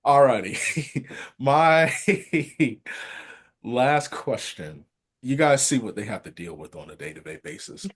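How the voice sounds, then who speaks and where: A man hosting a podcast interview, telling stories in a lively, laughing way. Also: medium pitch, slow, husky. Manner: animated, laughing storyteller. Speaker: podcast host. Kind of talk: casual interview chat.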